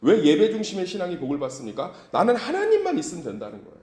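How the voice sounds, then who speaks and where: Animated male pastor preaching in church. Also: high voice, very fast. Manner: animated, rhetorical questions, acts out stories. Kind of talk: dawn service sermon. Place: church sanctuary. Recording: echoey church room.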